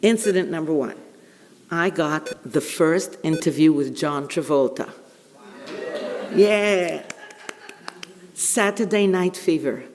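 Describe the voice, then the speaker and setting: An older Israeli woman, a veteran journalist and public speaker, entertains an audience with humorous personal storytelling in a reverberant hall. Born in Bulgaria, she has Ladino as her first language. Her lowish, slightly mellow voice carries a theatrical, wry manner with deliberate pauses.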